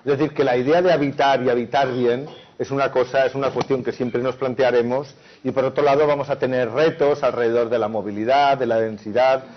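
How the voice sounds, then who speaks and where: Thoughtful panelist, mid pitch, dull sound. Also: male voice, steady tone, a little fast, few pauses. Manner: thoughtful, restarts words, tags with "¿no?". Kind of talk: panel discussion. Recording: dull lo-fi conference audio.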